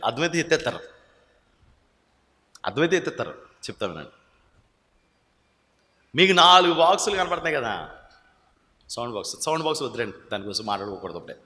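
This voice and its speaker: Bright-voiced preacher man in an echoey hall. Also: mid-range voice, slight background noise. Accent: Telugu. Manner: calls out questions to the congregation, urging loud answers. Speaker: pastor. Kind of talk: sermon. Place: church hall. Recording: echoey hall with long reverb.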